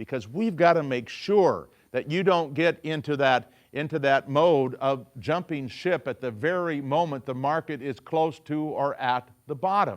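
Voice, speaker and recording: Over a very clean recording with a silent background, a man with a plain, everyday voice talks at a fairly slow pace with lively intonation. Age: 60s. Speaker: financial educator. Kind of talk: lecture.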